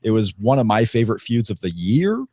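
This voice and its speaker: A man's voice: on the low side, very animated, a little fast, warm tone, slightly rough, no room sound, clean studio sound. A man from Indiana co-hosting a casual wrestling podcast, rambling with many fillers and restarts. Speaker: podcast co-host.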